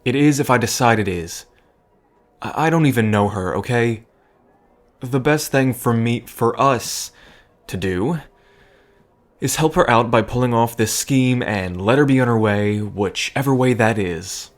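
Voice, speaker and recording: An actor in an audio drama playing a guarded, pragmatic worrier, earnest and defensive, sometimes halting. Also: male voice, medium pitch, close to an everyday voice. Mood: guarded, firm. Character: guarded, worrying man, pragmatic, once heartbroken.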